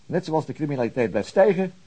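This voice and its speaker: An actor playing a weary, principled veteran policeman in a radio drama, brooding and halting as he searches for words. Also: on the high side, expressive, mellow, slightly rough. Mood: earnest, troubled. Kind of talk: naturalistic Dutch radio drama acting.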